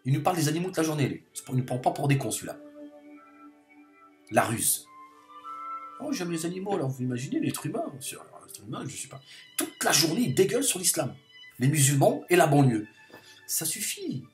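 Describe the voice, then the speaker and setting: A man's voice: a little high, very animated, fairly quick, long pauses, darkish tone, faint music behind. A man delivering an impassioned political monologue to camera, hammering his points by repeating phrases over and over. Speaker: video commentator.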